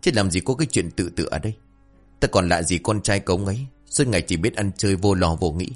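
A man's voice: low-pitched, quick pace, faint music behind. A man voicing a young village militiaman who mutters dismissive gossip. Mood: scornful.

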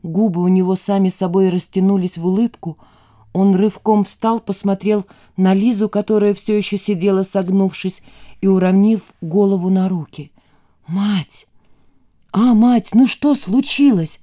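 A woman narrating an audiobook in a steady, measured storytelling manner. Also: medium pitch. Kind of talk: scripted narration.

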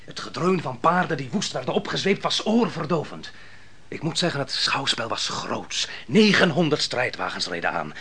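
A proud, declamatory biblical warlord. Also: male voice, medium pitch, sharp tone. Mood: grand, exultant. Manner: declamatory, grandiloquent. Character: proud, ruthless biblical army commander, fresh from bloody victory. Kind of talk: theatrical radio drama monologue and dialogue.

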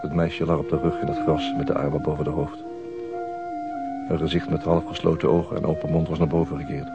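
An actor playing a methodical, sober police detective in a radio drama. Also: male voice, rumbling low, little pitch movement, a little fast, lo-fi sound, over loud music. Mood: grave, sombre.

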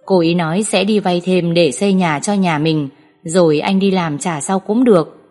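A woman's voice: fairly low pitch, darkish tone, soft background music, natural voice. A woman reading a story aloud, voicing a hot-tempered older brother who talks brusquely and in a hurry. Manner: brusque, hurried.

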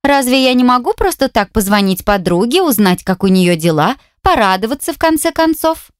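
A venomous young woman purrs her taunts in a coquettish, mocking voice pitched high above the reader's own, as a female audiobook narrator puts her on. The recording is dry and close, with no room sound. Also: very animated, brisk, no room sound. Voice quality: mocking, sugary and spiteful. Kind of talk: audiobook character voice.

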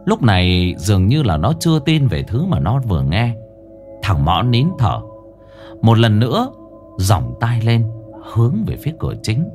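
A man reading a ghost story aloud in a dramatic, expressive way. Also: lowish voice, moderate pace, over music. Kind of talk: scripted horror story narration.

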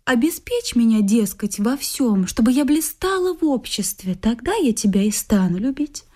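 A woman's voice: a little high, animated, moderate pace, dark tone. An actress in a radio play voicing a smug, materialistic young married woman, condescending and coaxing. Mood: coaxing, scheming. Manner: condescending, coaxing, self-satisfied. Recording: music behind the voice.

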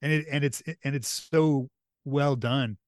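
A man's voice: medium pitch, unhurried, no echo. Enthusiastic male podcast host, dry sound. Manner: enthusiastic, rambling, animated retelling. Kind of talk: casual chat.

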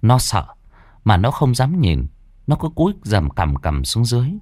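A man narrating a story in a steady, expressive way. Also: lowish voice, normal speed, dry recording.

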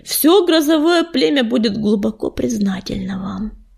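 Woman reading as a young tomcat leader, earnest, hushed, husky, lively lilt. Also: fairly high pitch, measured pace, heavily acted. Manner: soft, grateful, often hushed. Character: young male cat clan leader, earnest.

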